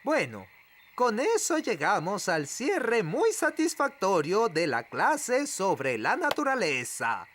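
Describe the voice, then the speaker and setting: A woman's voice: mid-range voice, huge pitch swings, slow pace, slight background noise. A woman voicing a haughty, callous lady witch who teaches with pompous nonchalance in a Latin American Spanish cartoon dub. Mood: lecturing. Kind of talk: animated children's cartoon dub.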